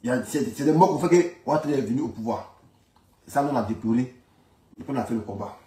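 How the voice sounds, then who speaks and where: A man's voice: mid-range voice, fast, mellow. A man from Ivory Coast with an Ivorian accent, delivering an informal political rant in an emphatic, repetitive, argumentative manner. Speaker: political commentator. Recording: roomy, echoing sound.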